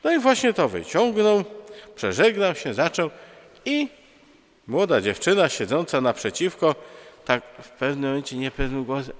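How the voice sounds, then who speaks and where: A man, a religious brother, preaching a sermon in a conversational, storytelling way with pauses and fillers. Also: a little high, big pitch swings, long reverb tail. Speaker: priest or friar preaching.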